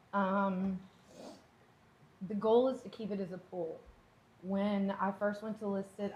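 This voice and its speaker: A middle-aged woman with a loud voice giving informal testimony at a public meeting, earnest, defensive and rambling. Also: medium pitch. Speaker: property owner addressing a board. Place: indoor public meeting room.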